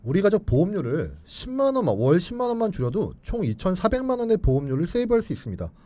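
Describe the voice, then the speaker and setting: Fast-talking high-voiced man on radio. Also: sing-song, dark tone. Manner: quick, explanatory. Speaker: financial expert guest. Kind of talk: radio advice talk. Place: radio studio.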